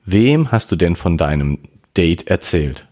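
A man voicing a calm, level-headed teenage boy who reasons things through, in an audiobook reading. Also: low voice, measured pace, full character voice. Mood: thoughtful.

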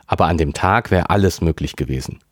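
A thoughtful teenage girl who opens up quietly, as a man reading a story puts her on. Her lines sit above a very low baseline. The recording is close and dry. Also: fast, dry recording, lightly acted. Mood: thoughtful, confiding. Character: teenage girl, reflective and open.

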